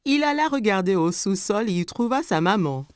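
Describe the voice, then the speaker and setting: A woman narrating a scripted story for young children in a clear storytelling manner. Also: medium pitch, lively intonation, normal speed, dry recording.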